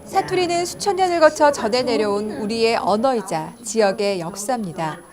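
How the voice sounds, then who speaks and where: A woman reporter narrating a news segment in a formal, measured way. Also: a little high, lively intonation, a crowd in the background.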